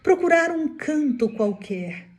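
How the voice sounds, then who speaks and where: Female devotional speaker, slow and warm, dramatic storyteller. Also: sits high, very animated. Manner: dramatic storytelling, acts out quoted voices. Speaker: spiritist speaker.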